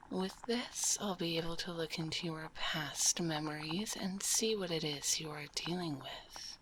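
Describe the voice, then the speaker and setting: A woman voicing a kindly, gently teasing witch alchemist in a soft, breathy ASMR roleplay, close to a binaural microphone. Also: lowish voice, a little hiss or hum, rough recording. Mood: reassuring. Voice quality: soft, breathy, half-whispered. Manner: unhurried, soothing, calls listener dear.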